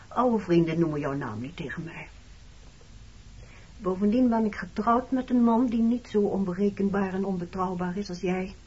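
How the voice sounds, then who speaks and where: Dull lo-fi recording, hurt married woman, slightly husky, measured, accusing, intimate radio drama. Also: medium pitch, a little mellow. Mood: wistful, subdued. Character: hurt, reproachful married woman meeting her former lover. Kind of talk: Dutch radio play acting.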